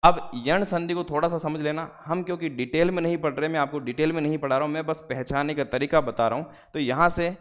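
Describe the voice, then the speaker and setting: A man teaching an exam-prep grammar lesson, explaining step by step and slowing down to spell out the parts of each word. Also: on the high side, steady tone, in a large hall.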